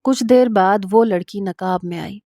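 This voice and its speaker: A woman narrating a first-person story in a steady, even reading voice. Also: mid-range voice, no echo, clean studio sound.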